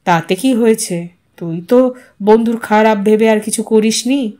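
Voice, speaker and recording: A woman's voice: on the high side, unhurried, mellow, close to an everyday voice. Lady doing a grieving village dad, subdued, kinda detached and hesitant, storybook reading. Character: dazed, bereaved village father, subdued and hesitant.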